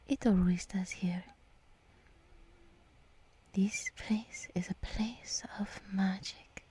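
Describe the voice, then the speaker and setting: In a whispered ASMR roleplay, a woman voices a gentle deer woman guiding a meditation at medium pitch. She speaks slowly, softly, and breathily, close to a dry microphone, with a soothing, welcoming, reassuring manner.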